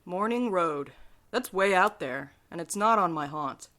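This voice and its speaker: A woman playing a wry, defiant night courier in an audio drama, with a dry, deadpan manner. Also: lowish voice, a little slow. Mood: dry, teasing. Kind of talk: audio drama acting and narration.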